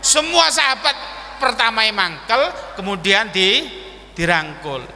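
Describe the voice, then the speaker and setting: High-voiced preacher with a Malang Javanese accent. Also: male voice, big pitch swings, measured pace, creaky, a little hiss or hum. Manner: dramatic, switching between narration and acted voices, shouting at peaks. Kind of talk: sermon storytelling. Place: mosque. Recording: long hall reverb.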